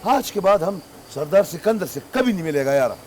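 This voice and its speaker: A man's voice: sits high, very animated, brisk. An actor playing a proud, offended male chief who speaks bluntly. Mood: indignant. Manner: indignant, blunt. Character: proud touchy tribal chief. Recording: music under dialogue.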